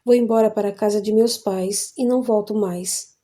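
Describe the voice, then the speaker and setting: A woman's voice: mid-range voice, fairly even intonation, moderate pace, mellow, close to an everyday voice. A woman reading an audiobook, voicing a betrayed young wife who speaks while crying. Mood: tearful.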